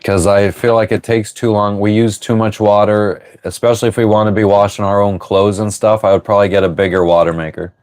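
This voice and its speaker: A man's voice: lowish voice, a little fast, few pauses, smooth. Laid-back man chatting on a livestream. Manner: relaxed, rambling, reads out and answers viewer comments. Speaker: livestream host answering chat. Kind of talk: casual live chat. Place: on board a sailboat.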